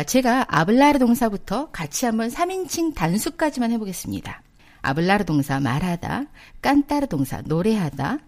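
A woman teaching a language lesson, patiently drilling verb forms and repeating them slowly for listeners. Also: medium pitch, darkish tone.

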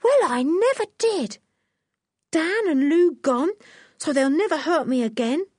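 A woman voicing an excitable working-class teenage circus boy who talks in rustic slang and bursts into eager exclamations. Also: high voice, a little slow, dry recording, studio quality, voice pushed up. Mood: marveling.

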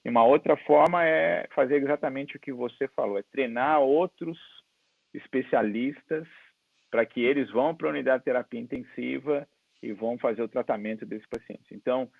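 A man's voice: medium pitch, brisk, vocal fry, dry recording. A man with a Brazilian Portuguese accent giving a conversational, explanatory online lecture as a guest expert, on slightly dull call audio. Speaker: guest medical expert and presenter.

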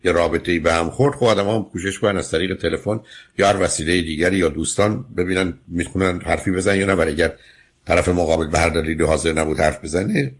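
A very deep, husky male voice counseling a caller on a radio advice show. He talks in a firm, lecturing way and cuts in with pointed questions. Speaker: radio call-in advice host.

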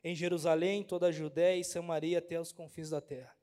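A man's voice: a little high, level tone, fast, darkish tone. A young man from Brazil, a pastor giving a casual, slangy youth sermon and often asking the crowd if they understand.

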